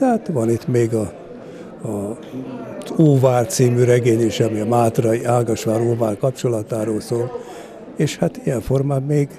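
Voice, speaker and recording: A man at a fairly slow pace with ordinary pitch variation, in dry sound with no echo amid noticeable background noise. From Hungary, Salgótarján (Nógrád county); Hungary. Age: old. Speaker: author. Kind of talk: interview. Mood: calm, warm. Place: hall. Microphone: handheld.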